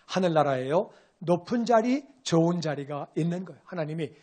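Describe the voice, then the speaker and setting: A man preaching a sermon as pastor, animated and conversational, with colloquial asides and quoted voices acted out. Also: fairly high pitch, brisk.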